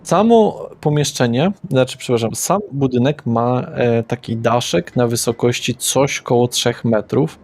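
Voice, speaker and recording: A man's voice: mid-range voice, measured pace, hardly any pauses, a little mellow, dry recording. A man as game master, describing scenes loosely with fillers and self-corrections, on a home mic. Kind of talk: narrating a tabletop game.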